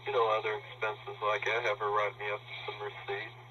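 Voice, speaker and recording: A man's voice: fairly low pitch, monotone, a little fast. A man on a phone call, talking bluntly and defensively, swearing casually. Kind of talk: tense phone conversation. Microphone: telephone. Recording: muffled phone recording with loud hiss.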